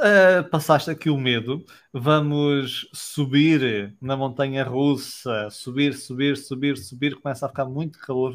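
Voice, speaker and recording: A man with a European Portuguese accent hosting a podcast, friendly and playful as he sets up questions. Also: mid-range voice. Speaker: podcast host. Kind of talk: casual podcast chat.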